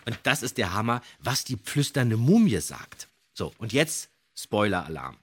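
A man with a husky, slightly rough voice co-hosts a podcast. His pitch swings widely as he tells the story, leaning on key words to build suspense. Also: big pitch swings, a little slow, a bit bright. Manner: dramatic emphasis, builds suspense. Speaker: podcast co-host. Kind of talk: animated storytelling, podcast talk.

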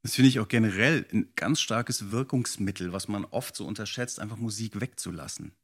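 A man with a rough-edged, slightly deep voice hosts a podcast. His talk is casual and enthusiastic, like a discussion between colleagues. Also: brisk. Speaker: podcast host.

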